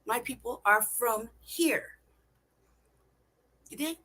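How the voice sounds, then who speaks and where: A woman's voice: a little high, takes it slowly, pushed and bright. Profane, emphatic woman ranting. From California, United States. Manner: profane, emphatic, rhetorical questions. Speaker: vlogger. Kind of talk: casual monologue.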